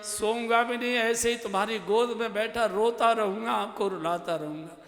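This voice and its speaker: Brief: male storyteller doing a sad, insistent small boy, high-pitched, in a reverberant hall. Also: steady tone, normal speed, a bit bright. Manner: pleading, tearful questions. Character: young boy prince, tearful and pleading. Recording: echoey hall with music behind.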